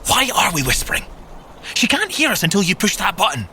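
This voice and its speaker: A man's voice: high-pitched, sing-song, fairly quick, pushed and bright, big-room sound, slight background noise, heavily acted. An actor with a Scottish accent playing a playful, teasing scientist agent in an audio drama, theatrical in his delivery. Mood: wry, teasing.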